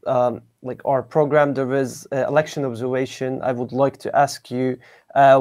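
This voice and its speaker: A man's voice: medium pitch, a little mellow. A man with a Turkish accent hosting an interview in English as a second language, searching for his words as he goes. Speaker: interviewer, programme host. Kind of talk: interview questions.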